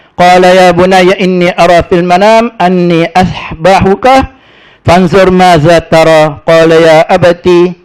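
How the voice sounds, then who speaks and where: A man's voice: high-pitched, poor audio. A middle-aged man with a Malaysian Malay accent teaching a casual religious class, telling stories in a chatty, folksy way and reciting Arabic verses.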